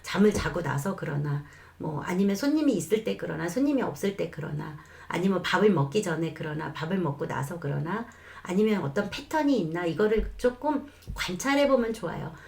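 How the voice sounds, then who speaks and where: A woman who is a child development expert, calmly explaining parenting advice in a lesson and sometimes acting out what a mother might say. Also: fairly low pitch, fairly quick, vocal fry. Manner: calm, reassuring explanation with acted quotes of mothers.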